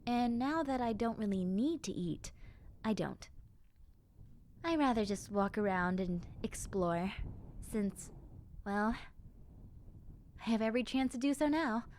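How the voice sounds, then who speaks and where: A kind young zombie girl, acted by a woman in an audio roleplay. Her voice sits fairly high, and she talks directly to the listener in a soft-hearted, conversational way. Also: lively intonation, measured pace, pauses often, slight background noise. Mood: chatty, reflective.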